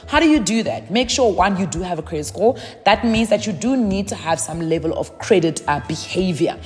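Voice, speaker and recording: A woman's voice: medium pitch, lively intonation, brisk, darkish tone, in a large hall, soft background music. A woman, giving casual money advice in a chatty way with lots of "um"s and repeated words. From South Africa. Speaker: personal finance YouTuber.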